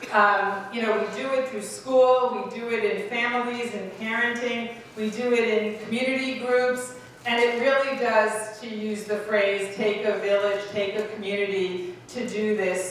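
A woman's fairly slow, monotone voice with flat intonation, strong room echo and light background noise. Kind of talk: public speech. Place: hall.

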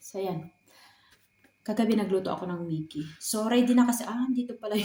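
This woman's pitch is fairly high. She keeps a moderate pace. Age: middle-aged. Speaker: vlogger. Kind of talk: casual vlog narration. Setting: at home.

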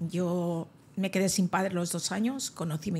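Her voice is somewhat breathy, with a dark, mellow tone and fairly low pitch, as this woman speaks at a moderate pace. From Spain. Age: 70s. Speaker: company president; podcast guest. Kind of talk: casual interview. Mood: warm, candid, reflective. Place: studio. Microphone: studio mic.

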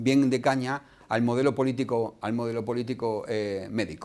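This man's intonation stays fairly even as he talks at a moderate speed. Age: 60s. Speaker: doctor. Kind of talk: lecture. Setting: stage with audience. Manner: halting. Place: hall.

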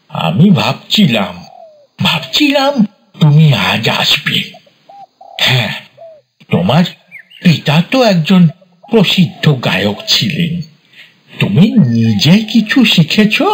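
This man talks at a very slow pace. His pitch is fairly high, with very wide swings. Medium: read story. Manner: eager, coaxing, conspiratorial.

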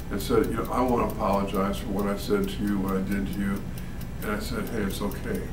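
With music in the background, a man talks with ordinary pitch variation. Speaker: hospice care instructor. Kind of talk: lecture. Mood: calm, empathetic. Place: office. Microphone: camera far.

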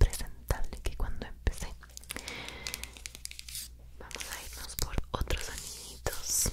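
A soft-spoken woman whispering. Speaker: ASMR creator. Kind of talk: whispered ASMR talk. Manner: soft whisper close to mic. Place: home room. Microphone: studio mic.

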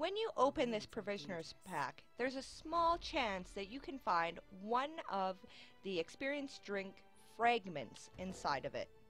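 Music plays in the background. The speech moves at a fairly slow pace with very wide pitch swings. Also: woman, fairly high pitch for a woman. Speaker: gaming video creator. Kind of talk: game tutorial narration. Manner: casual, friendly.

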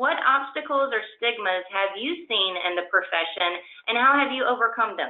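A woman speaks in an ordinary speaking voice at a moderate pace. Her pitch is fairly high, with lively intonation. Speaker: webinar moderator. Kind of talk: webinar moderation. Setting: online webinar. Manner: formal.

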